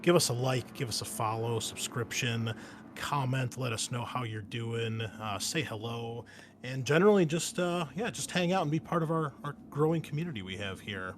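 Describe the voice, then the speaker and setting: A man's voice: mid-range voice, expressive, normal speed. A man hosting a tabletop gaming podcast, chatting informally and enthusiastically with his players as game master. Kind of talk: casual podcast intro and chat with players. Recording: noisy home podcast recording. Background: clear background noise and ambience.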